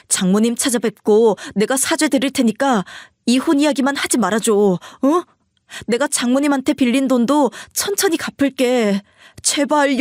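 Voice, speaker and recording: A desperate young husband pleads and whines for another chance, voiced by a woman. The voice sits fairly high and is recorded close and dry, like a storybook narration. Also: no echo. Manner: begging, whining.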